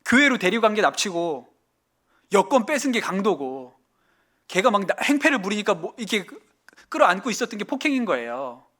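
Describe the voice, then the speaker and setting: A male pastor preaching a sermon, telling a story with lively acted-out dialogue and sudden swings between loud and soft. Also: high voice, brisk. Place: church sanctuary.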